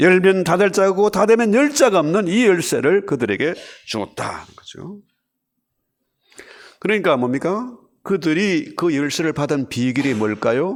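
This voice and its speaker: A man's high-pitched voice swings very widely in pitch, broken by long, frequent pauses. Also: fairly slow pace. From Gyeongsang province, South Korea. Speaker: pastor. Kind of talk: sermon.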